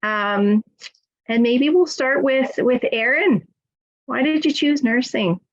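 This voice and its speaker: A woman's voice: high voice, slow pace. Encouraging woman moderating a video call. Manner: warm, encouraging questioner. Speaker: nursing school director, moderator. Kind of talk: live webinar panel moderation. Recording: slightly dull video-call audio.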